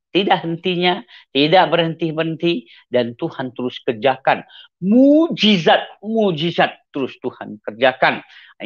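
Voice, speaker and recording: A middle-aged man from Aceh, Indonesia, with a mixed Acehnese accent, giving an earnest personal testimony as an evangelist. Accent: Acehnese with mixed Medan, Timor and Malaysian traces. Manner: earnest, repetitive, sudden rises in pitch for emphasis. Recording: slightly dull lo-fi audio.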